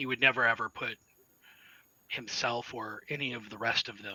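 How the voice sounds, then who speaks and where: Using a put-on, raspy character voice, a man talks at a moderate pace. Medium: actual play.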